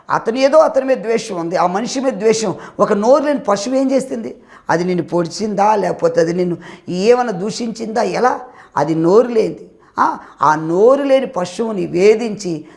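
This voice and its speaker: Gravelly, fervent male preacher. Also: high-pitched. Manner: fervent preaching, rising emphatic appeals. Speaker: pastor. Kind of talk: sermon.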